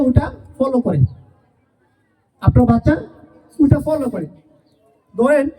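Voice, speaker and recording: Recorded from a distance, a teacher delivers a farewell speech to parents at a school event, asking the audience rhetorical questions and repeating her points and phrases. Her voice is warm and fairly high.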